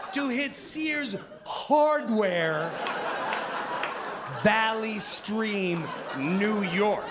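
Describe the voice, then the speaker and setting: A man putting on a grandiose dictator on a prank call, shouting in long drawn-out phrases before a live audience. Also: extremely high pitch, pitched above the performer's own voice, full character voice. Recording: live comedy club, audience noise. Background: audience laughter.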